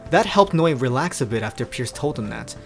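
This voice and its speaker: A young man hosting a fan fiction reading, moving between narration and chatty, animated reactions. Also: medium pitch, a little fast, vocal fry, faint music behind. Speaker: video host reading fan fiction aloud. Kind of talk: casual storybook reading with chatty commentary.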